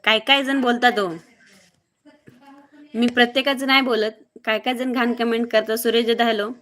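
A woman from Maharashtra talks casually on a live stream, her voice sitting a little on the high side. She moves quickly from one viewer to the next, greeting each by name and reading comments aloud. Her manner is blunt and outspoken. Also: steady tone, fairly bright tone. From Maharashtra, near Mohol. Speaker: livestreamer.

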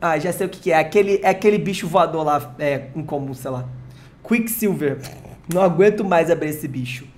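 An excitable, slangy streamer from Brazil opening card packs live, who swears and jokes with chat. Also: medium pitch, a little fast. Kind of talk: live unboxing chat with viewers.

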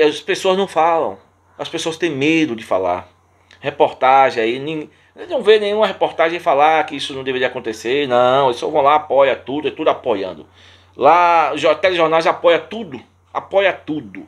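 A man with a Brazilian Portuguese accent hosting a channel, answering viewer comments in casual talk and repeating his points with indignation. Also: medium pitch. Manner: reads viewer comments aloud.

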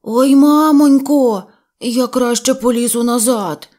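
A woman's voice: mid-range voice, a little slow, mellow, lightly acted. A woman voicing a greedy, good-natured male bear cub who talks eagerly and stammers, for a storybook. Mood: wailing.

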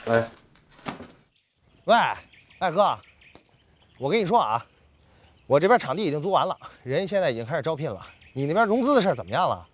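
A man's voice: on the high side, sing-song, a little fast, long pauses, husky. A pushy eager man.

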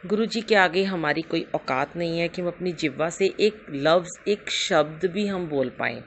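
A woman's voice: on the low side, normal speed, slight background noise. A middle-aged woman giving a devotional satsang talk, telling her story in an earnest, conversational way and addressing her listeners directly. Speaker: satsang speaker.

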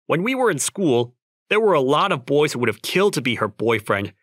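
A man's voice: a little high, a little fast, no echo. A man voicing a flustered, skeptical young office worker in a manga dub, sounding incredulous and given to inner narration. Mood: wistful musing. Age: young adult. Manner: exasperated, incredulous, animated.

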